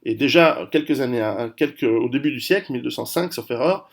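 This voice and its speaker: A gravelly, mid-range male voice moves at a fairly quick clip. He's a video host of Italian heritage running his own channel, chatting casually to camera through a history lesson full of restarts and fillers.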